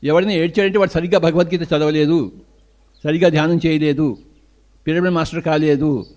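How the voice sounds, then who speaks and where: A man preaching a spiritual discourse in a fairly high-pitched voice. He speaks emphatically and drives his points home by asking rhetorical questions and answering them himself. Faint bird calls and outdoor sounds drift in behind him. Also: fairly even intonation, brisk, a little mellow. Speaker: spiritual teacher.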